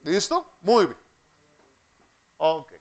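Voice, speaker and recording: A man's voice: on the high side, sing-song. A man teaching an interactive Bible class, who keeps asking his students questions and has them repeat after him. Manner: slow, deliberate delivery.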